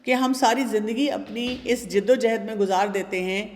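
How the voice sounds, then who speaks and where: A woman gives calm, advising talk on parenting and faith, turning to her listeners directly. Her voice carries a long reverb off the hall. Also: on the high side. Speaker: speaker answering audience questions.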